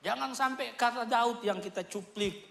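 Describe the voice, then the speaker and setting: A male pastor preaching a sermon, animated, with loud bursts and quiet joking asides. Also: very high voice, normal speed, creaky. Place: church. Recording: echoey church hall.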